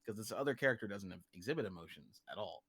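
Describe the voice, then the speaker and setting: A man's voice: fairly low pitch, expressive, fast talker, fairly bright tone. A man in casual conversation as a livestream guest, explaining things informally. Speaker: livestream guest, character creator. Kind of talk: casual chat explaining a fictional character.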